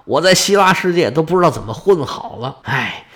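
A worried old king, voiced by a male storyteller sighs and grumbles with exasperation. The voice rides somewhat high and moves widely in pitch. It's a storybook telling, told in an everyday voice. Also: animated, brisk, fairly bright tone. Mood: fretful. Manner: sighing, exasperated complaining.

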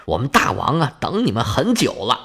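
A man's voice: medium pitch, wildly swooping pitch, brisk, creaky, pushed and bright, husky, voice pushed down, heavily acted. A man storyteller voicing a sly, teasing male messenger of the underworld. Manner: teasing, knowing.

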